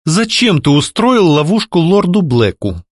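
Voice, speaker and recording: A proud young mistress of a haunted house, played by a man reading aloud. She mocks and scolds with a sharp, lilting voice that climbs high. The sound is dry and close to the mic. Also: very animated, unhurried, no room sound. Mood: mocking. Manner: mocking, scolding, ironic. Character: sharp-tongued young woman, lady of the house. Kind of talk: audiobook character voicing.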